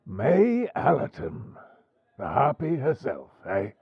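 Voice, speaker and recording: A man playing a wary, gruff pirate overlord in an audio drama, gravelly and husky, with a sardonic drawl. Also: mid-range voice, wildly swooping pitch, slow, no echo, highs cut off, exaggerated voice. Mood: cool, guarded. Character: wary, gruff male pirate overlord, dryly amused and menacing. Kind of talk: audio roleplay acting.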